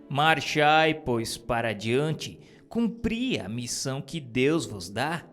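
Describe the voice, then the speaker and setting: Slow earnest guy reading religious stuff aloud, kinda preachy, faint music behind. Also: medium pitch, lively intonation, a bit bright. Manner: exhorting, measured and earnest. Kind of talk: solemn reading of a religious text.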